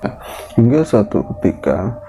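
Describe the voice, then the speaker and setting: A man's voice: on the low side, very animated, a little slow, warm tone, faint music behind. A man telling a horror story in a chatty, loose way full of fillers. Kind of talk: casual spoken horror storytelling. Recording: dull lo-fi recording.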